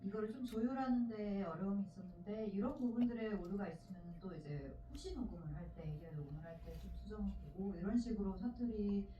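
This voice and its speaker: A woman's voice: medium pitch, lively intonation, fast talker, hardly any pauses. An actress at a film Q&A describes her preparation earnestly and reflectively, recorded from the audience in a cinema. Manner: earnest, reflective, with many fillers. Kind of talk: panel Q&A answer. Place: cinema auditorium. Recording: distant echoey lo-fi audience recording with hiss.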